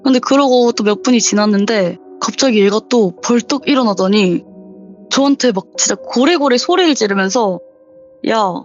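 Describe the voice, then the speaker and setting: A viewer in her twenties calls in to relate a true scary story, chatting casually and acting out quoted dialogue. Over the voice call her fairly high voice has lively intonation at a moderate pace, with dull audio and faint background music.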